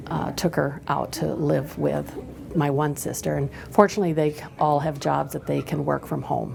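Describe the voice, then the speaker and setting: Here a woman speaks at a moderate pace. Noticeable background noise runs underneath. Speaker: middle school reading intervention teacher. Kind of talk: interview answer.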